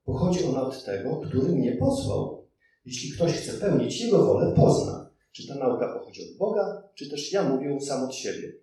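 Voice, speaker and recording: A man's voice: medium pitch, sing-song, moderate pace, warm tone. A man reading aloud the words of a man teaching a crowd, with emphatic, rising declamation. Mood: solemn. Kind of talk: read-aloud scripture quotation. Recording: very echoey, distant mic.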